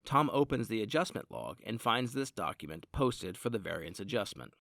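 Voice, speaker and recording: A man narrating a scripted software demonstration in a measured, explanatory way. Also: lowish voice, sing-song, vocal fry, no echo, clean studio sound. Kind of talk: scripted product tutorial narration.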